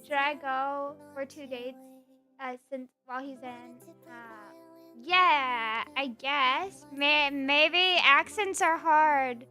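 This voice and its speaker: Bright, high-voiced playful woman streamer. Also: slow pace. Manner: playful, rambling, teasing. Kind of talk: casual chat reading stream chat. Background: soft background music.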